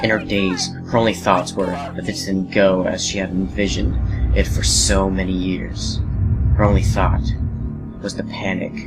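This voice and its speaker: A man's voice: low-pitched, flat delivery, moderate pace, rough recording. A man giving scripted narration for a horror story as the narrator of an audio drama. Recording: loud music under narration.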